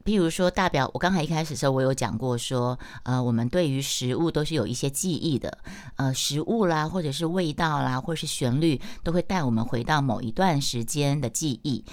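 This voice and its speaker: A woman's voice: a bass voice, fairly quick, a little mellow. A middle-aged woman, hosting a livestream. She tells stories in casual chat, acts out the dialogue in changing voices and pokes fun at herself. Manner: self-mocking, chatty. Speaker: livestream host.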